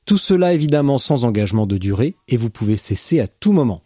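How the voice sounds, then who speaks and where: A man's voice: mid-range voice, big pitch swings, quick pace, dark tone, no room sound, studio quality. A man hosting a cycling podcast, chatting casually and hesitating often with fillers. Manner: friendly, many hesitations and fillers. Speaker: podcast host.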